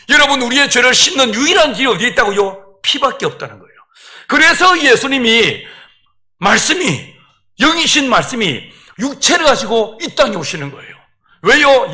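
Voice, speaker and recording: Male pastor, Gyeongsang accent, animated storyteller who acts out dialogue, very expressive pitch. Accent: Gyeongsang Korean. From Gyeongsang region, Korea. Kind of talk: sermon.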